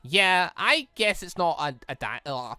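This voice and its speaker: A man giving rambling, excitable let's play commentary on a close microphone, slipping between asides and character readings. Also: high-pitched, unhurried, clean tone, dry recording. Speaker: gaming channel host. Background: game music.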